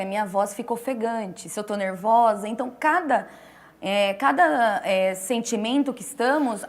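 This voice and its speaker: A woman interpreter explaining in a relaxed conversational way, restarting phrases and pausing as she talks. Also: fairly high pitch. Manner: explanatory, with frequent restarts and fillers. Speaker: sign language interpreter.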